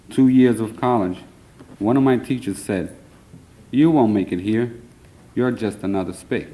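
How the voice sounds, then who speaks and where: A man's voice: lowish voice, warm tone, rough recording. Earnest Puerto Rican man reading poetry. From Puerto Rico. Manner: earnest, plain, measured delivery with short line breaks; a little nervous. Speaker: poet reading his work. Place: conference hall.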